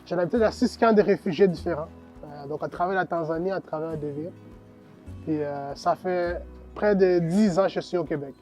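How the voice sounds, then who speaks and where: A man's voice: a little high, moderate pace, darkish tone, soft background music. Hesitant young man from Rwanda. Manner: hesitant, thoughtful, many fillers. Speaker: interviewee. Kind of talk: documentary testimony. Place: secondary school.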